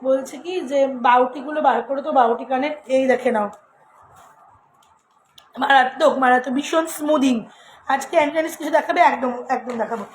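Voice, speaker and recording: A woman selling jewelry on a live stream, in a flat, husky voice, chatting with viewers and repeating prices over and over. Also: high-pitched, moderate pace, slight background noise. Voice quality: flat, husky voice, always so since childhood. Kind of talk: casual live-sale patter.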